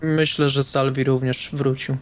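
A man's voice: medium pitch, flat delivery, a little slow. A man playing a tabletop roleplaying game, talking to the game master about his moves and rolls. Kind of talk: game talk, asking and reporting rolls. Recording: faint guitar music behind.

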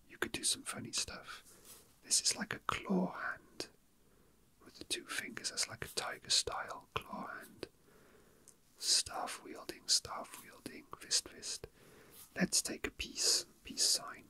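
Slow, bright whispering ASMR voice. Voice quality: breathy unvoiced whisper. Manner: soft, unhurried, murmuring to self. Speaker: toy unboxing video host. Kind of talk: whispered ASMR, casual rambling.

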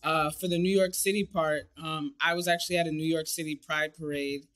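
A woman's voice: sits low, fairly even intonation, brisk, a bit bright. A woman in her thirties with an American accent, a film director telling a personal story casually on a video call. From United States. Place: indoor room on a video call.

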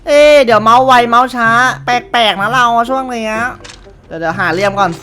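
A young man giving excited gameplay commentary, taunting opponents and repeating short calls over and over. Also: extremely high pitch, fast talker. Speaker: gamer streamer.

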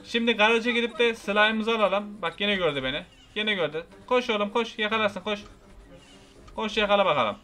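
A young man giving excitable, frustrated gameplay commentary, shouting at the characters on screen. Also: sits high, fairly quick. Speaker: gaming YouTuber.

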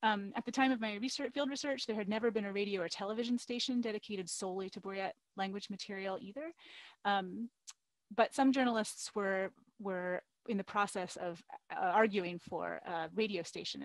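A middle-aged woman author giving an academic book talk, speaking in a measured, partly read way with frequent "um" fillers. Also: mid-range voice, no room sound. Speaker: author presenting her book.

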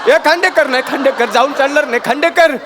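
A man playing a grieving, sharp-tongued old man in a stage comedy sketch, teasing his friend. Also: very high-pitched, quick pace, over a noisy crowd. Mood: fretful joking. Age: older. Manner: teasing, wisecracking, mock-mournful. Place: TV comedy stage with live audience. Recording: stage mic with loud audience laughter and music.

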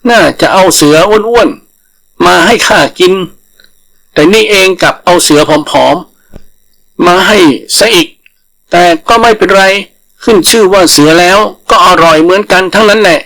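A man's voice: high-pitched, measured pace, fairly bright tone, voice pushed up, low-quality recording. A man voicing a sly little rabbit in a folktale, bluffing with brash swagger. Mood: mock scolding.

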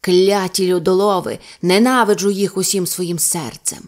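Young male Cossack hero, read by a woman: fierce, proud, forceful storybook voice. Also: lowish voice, steady tone, moderate pace, lightly acted. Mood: angry.

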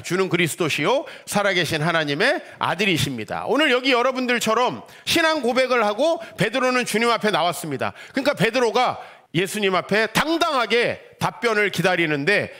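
Lively high-voiced male pastor preaching. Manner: animated, rhetorical questions, acts out quoted voices. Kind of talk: sermon.

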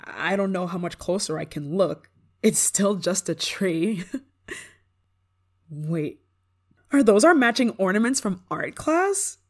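A woman's voice: mid-range voice, expressive, slow pace, long pauses. A woman playing a prickly, homesick young performer in an ASMR roleplay, grudging in manner but secretly fond of an old friend. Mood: amazed, amused. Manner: tsundere, grudging, sighing, secretly affectionate. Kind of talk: ASMR roleplay, acted monologue to listener.

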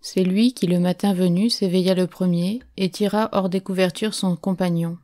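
A woman reading an adventure novel aloud as an audiobook narrator, in a measured, steady way. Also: fairly low pitch. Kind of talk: scripted narration.

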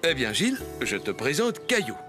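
Kindly grandfather, wildly swooping pitch. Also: wildly swooping pitch, normal speed, over music. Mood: friendly, welcoming. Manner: gentle, courteous, reassuring. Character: kindly, patient old grandfather. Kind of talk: French children's cartoon dubbing.

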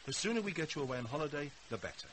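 An actor playing a brusque, flippant husband with a British accent in a radio drama. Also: male voice, fairly high pitch, expressive, very fast, fairly bright tone. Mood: sardonic, irritable. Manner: sardonic, impatient. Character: impatient, brusque, flippant husband, an adult man.

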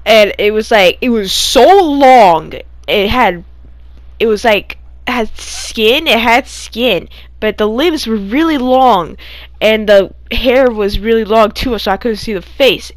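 Young female storyteller, higher-pitched, dry recording, recounts dreams in a puzzled, halting, casual manner. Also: no room sound. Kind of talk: casual story time over gameplay.

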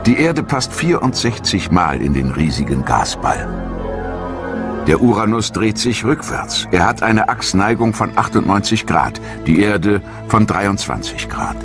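A man giving calm, measured, scripted narration for a science documentary. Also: on the low side. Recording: studio narration over loud music.

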